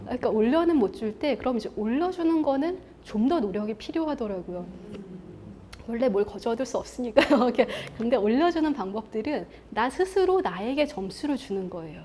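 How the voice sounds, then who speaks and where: A bright, high-pitched woman lecturing on stage in a friendly, chatty way. She acts out inner thoughts and laughs often as she speaks. A faint room hum sits under her voice. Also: animated, brisk. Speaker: relationship columnist giving a lecture. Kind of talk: televised public lecture. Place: lecture stage before an audience.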